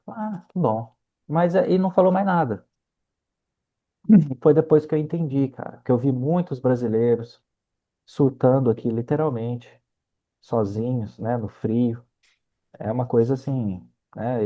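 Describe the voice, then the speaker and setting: A man's voice: mid-range voice, narrow, tinny audio. A middle-aged Brazilian man from Minas Gerais, a researcher speaking as an interview guest, explaining through anecdotes with frequent check-in tags. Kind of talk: conversational interview storytelling.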